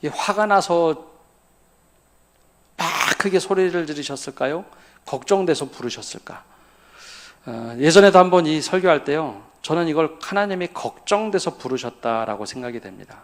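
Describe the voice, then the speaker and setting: A man's voice: fairly high pitch, lively intonation, moderate pace. A male pastor preaching at a midweek church prayer service, often putting questions to the congregation and then answering them himself. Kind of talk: sermon.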